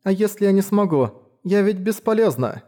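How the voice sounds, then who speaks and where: A woman's voice: mid-range voice, expressive, moderate pace, mellow, pitched above the performer's own voice, lightly acted. A man voicing a shy, timid young female apprentice warrior who hesitates and stammers.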